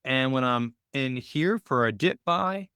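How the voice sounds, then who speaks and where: A man's voice: medium pitch, lively intonation, unhurried, sharp tone, clean tone, no room sound, studio quality. A man hosting a casual Q&A call, explaining things conversationally and thinking aloud as he goes. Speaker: host of a trading Q&A call. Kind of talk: casual explanatory screen-share Q&A.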